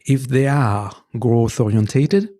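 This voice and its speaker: A man's voice: mid-range voice, slow pace, dark tone, no room sound, studio quality. A man whose first language is French, giving earnest, practical advice in a casual podcast conversation, with frequent "you know" asides and restarts. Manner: gives practical advice, sometimes pointed. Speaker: guest, movement teacher.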